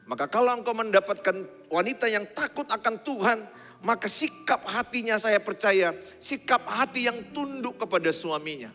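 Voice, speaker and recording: A man's voice: high-pitched, sharp tone. A male pastor preaching a sermon and leading his congregation in call-and-response, in a large church hall. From Indonesia. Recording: long hall reverb, faint music behind.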